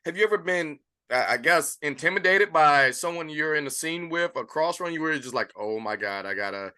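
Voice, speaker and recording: A man's voice: fairly high pitch, a little fast, bright, forceful tone. A man hosting a podcast, asking loose, rambling questions in a casual interview chat. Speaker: podcast host.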